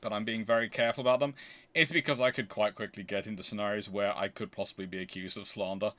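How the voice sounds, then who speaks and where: With a mid-range, slightly bright voice, a British livestream host answers questions casually. He rambles and halts, frequently restating and rewording what he says.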